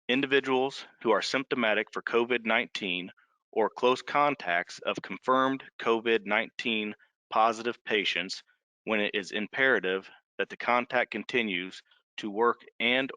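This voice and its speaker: An American man reading a formal scripted public briefing on a conference call, measured and carefully enunciating numbers item by item. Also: on the low side, sharp tone, clear, resonant tone, no room sound, rough recording.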